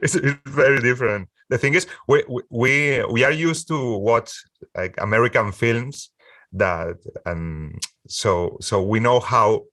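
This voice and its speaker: A Spanish man in his forties, a music producer speaking English as a second language in a casual interview, halting with frequent restarts and easy laughter. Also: medium pitch, fairly bright tone, no room sound, studio quality, distant mic. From Spain.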